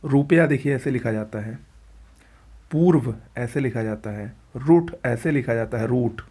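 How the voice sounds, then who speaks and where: Guy teacher rattling thru spelling drills, quick and repetitive, mid pitch. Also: a little mellow, slightly rough. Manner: brisk, repetitive, pointing out words on screen. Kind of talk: exam-prep spelling lesson.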